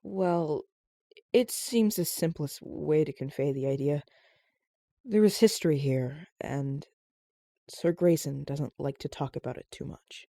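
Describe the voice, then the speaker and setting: A woman voicing a polite, proper young guardsman in a fantasy audio drama, with courteous, measured phrasing. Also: low-pitched, creaky, warm tone, no room sound, studio quality, full character voice. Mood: tactful.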